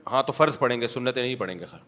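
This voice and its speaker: A male preacher addresses a congregation in a mosque and speaks frankly with a joking edge. He tells anecdotes and acts out the dialogue as he goes, at an everyday pitch. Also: expressive, fairly bright tone. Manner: frank, humorous storytelling with acted dialogue. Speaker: mufti giving a Sunday lecture. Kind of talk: sermon with anecdotes and audience questions.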